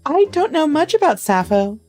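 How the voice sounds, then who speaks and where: A woman voicing an excitable young maid who chatters eagerly about household gossip. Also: high-pitched, normal speed, soft background music, voice pushed up. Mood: gossipy.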